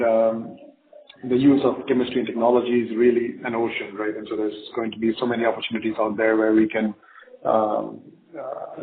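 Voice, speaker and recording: Male company executive, confident and emphatic, spontaneous Q&A delivery over a narrow telephone conference line. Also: mid-range voice. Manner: confident, emphatic, often ends phrases with "right?". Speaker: company executive answering analyst questions. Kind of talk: earnings call Q&A, spontaneous business talk.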